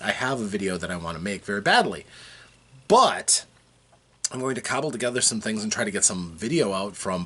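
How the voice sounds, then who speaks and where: A man chats casually with his audience from a home basement, wandering through his thoughts with lots of fillers and restarts. His pitch rises and falls in a lively way, and the voice still carries some roughness from a cold he is getting over. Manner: rambling, hesitant, with frequent fillers and restarts. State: recovering from a cold, slightly rough voice. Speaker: vlogger. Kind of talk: casual chat to camera.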